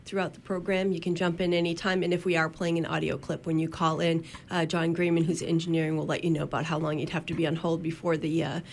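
A woman hosts a radio talk show in an easy, conversational manner, with a few fillers. Her voice sits on the low side, and a faint hiss runs underneath. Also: level tone, fast, few pauses. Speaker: radio host. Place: radio studio.

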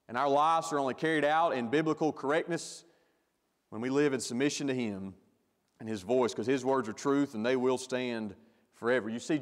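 A male pastor preaching a sermon with emphatic delivery, growing louder when he stresses a point. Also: medium pitch, in a large hall.

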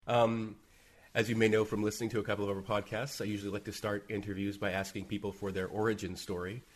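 A man's voice: fairly low pitch, flat delivery. A man hosting a podcast, reading a prepared introduction and then asking questions with some hesitant "um"s. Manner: brisk, reads the intro smoothly, hesitant with "um" when asking questions. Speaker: podcast host.

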